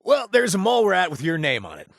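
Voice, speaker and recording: An actor playing a wry, sarcastic companion in a video game who hands out kill jobs, stammering and joking. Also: male voice, high voice, fast, gravelly, dry recording, full character voice. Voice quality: animated, sarcastic delivery with hesitant stammers. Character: wry young man, quest-giving companion, sarcastic and jumpy. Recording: dry studio sound.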